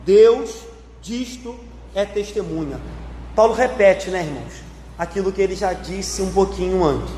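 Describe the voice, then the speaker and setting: Male pastor with a high voice, preaching with emphatic repetition in a reverberant church room. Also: mellow. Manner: emphatic preaching, slowing down on repeated phrases. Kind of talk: sermon. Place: church sanctuary. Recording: echoey church hall, faint background noise.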